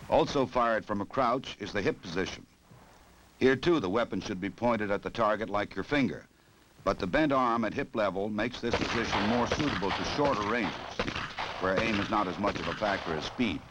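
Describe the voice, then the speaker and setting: Low-voiced American man, noisy old film narration. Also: a bit bright. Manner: authoritative, measured, formal. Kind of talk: scripted 1960s instructional film narration.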